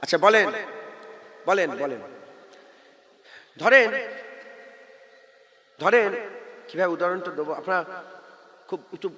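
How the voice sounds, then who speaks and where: A man's voice: high-pitched, slow, pauses often. A man preaching a sermon to a crowd, asking rhetorical questions, calling for responses and chanting Arabic verses. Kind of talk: sermon at a religious gathering. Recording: echoey hall-like reverb from loudspeakers.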